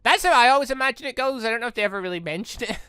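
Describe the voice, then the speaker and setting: A man's voice: very high voice, lively intonation, rapid-fire, sharp tone, clear, resonant tone, no echo. A man giving casual let's play commentary in a rambling way, often correcting himself on a close mic. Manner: rambling, self-correcting asides. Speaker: gaming video host. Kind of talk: casual let's play commentary, reading visual novel dialogue aloud. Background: game music.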